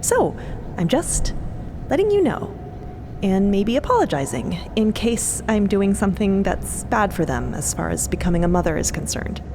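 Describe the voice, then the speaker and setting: A woman voicing an earnest, nervous young crew member in an audio drama, hesitant and rambling, over rumbling ambience. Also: moderate pace, background noise. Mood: earnest, flustered. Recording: steady rumbling ambience under voice.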